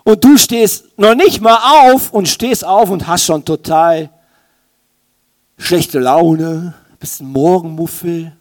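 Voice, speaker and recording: A man's voice: fairly high pitch, slow, darkish tone. A man preaching a sermon in an informal, colloquial way, animatedly speaking straight to his listeners. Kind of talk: sermon in informal youth language.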